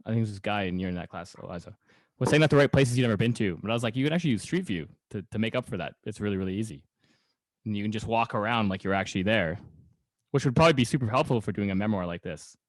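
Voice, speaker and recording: A man's voice: on the low side, animated, rapid-fire, no room sound. A man co-hosting a podcast, asking casual, rambling questions in an informal way. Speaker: podcast co-host. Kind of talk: casual conversational interviewing.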